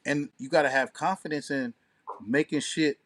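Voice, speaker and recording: A man's voice: on the high side, steady tone, moderate pace, a bit bright. A man co-hosting a casual podcast, talking in an opinionated, emphatic, slangy and profane way. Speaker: podcast co-host and DJ.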